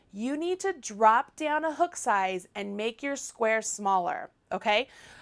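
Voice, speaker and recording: A woman in a normal speaking voice, fairly slow pace and lively intonation, in a very clean recording with a silent background. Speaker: crochet designer and teacher. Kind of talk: tutorial. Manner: casual, conversational.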